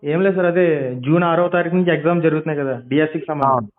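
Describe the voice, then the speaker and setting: Muffled phone audio, man, high pitch, persistent questioning, caller reporting. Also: steady tone, very fast. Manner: persistent, pressing. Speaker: channel reporter calling a helpline. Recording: muffled recorded phone call.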